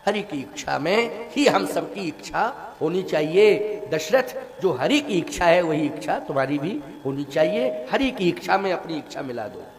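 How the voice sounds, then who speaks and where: High-voiced man preaching a devotional sermon. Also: very animated. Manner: rhetorical questions to the audience, breaks into slow song. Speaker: preacher of Ramayana katha. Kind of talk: devotional sermon with sung chaupais. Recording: reverberant hall with music. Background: devotional music with tabla.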